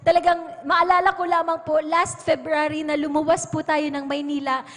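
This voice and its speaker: A woman with a Filipino accent gives an earnest testimony from the pulpit of a church hall. Her voice sits very high, and she keeps addressing the congregation as beloved. The livestream carries the hall's long reverb around her. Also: flat delivery, moderate pace. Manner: earnest, repeats "mga minamahal" as address. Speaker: church worker giving testimony. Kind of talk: testimony at Sunday worship. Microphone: pulpit microphone.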